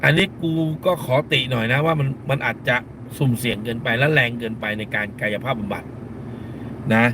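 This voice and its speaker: A man's voice: medium pitch, fairly quick, background noise. A middle-aged man, a lawyer hosting a live stream, talks bluntly in casual commentary and scolds with crude slang, repeating phrases for emphasis.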